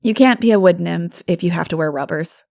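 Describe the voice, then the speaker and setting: A woman's voice: on the low side, fairly quick, gravelly, a little mellow. A woman reading an audiobook as a sage, practical girl, speaking in a plain, decided manner. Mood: matter-of-fact. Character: Jane, sage, practical, matter-of-fact girl. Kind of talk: audiobook character voice.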